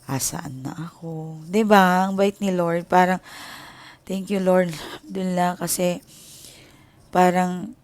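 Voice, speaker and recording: A woman hosting her own channel, telling viewers a personal story in a casual, emotional way, at times hushed and at times animated, and calling them her loved ones. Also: on the low side, slow, long pauses, no echo. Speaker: tarot channel host.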